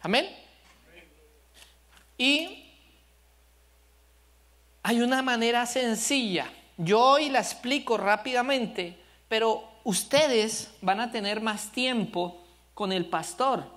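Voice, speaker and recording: A man's voice: extremely high pitch, expressive, slow, pauses often, fairly bright tone. A male pastor preaching a sermon, telling stories with animation and asking the congregation questions. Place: church service.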